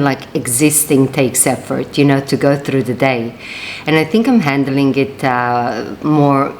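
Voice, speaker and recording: Very low-voiced woman vlogger. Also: a little mellow, a little hiss or hum. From Serbia. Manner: rambling, with many fillers and restarts. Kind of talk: casual vlog talk.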